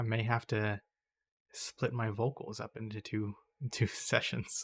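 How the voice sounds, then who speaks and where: A somewhat breathy male voice at a medium pitch, flat and monotone, on a very clean recording with a silent background and a dry, close sound free of echo. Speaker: gaming video creator. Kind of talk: gameplay commentary. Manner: casual, hesitant with fillers.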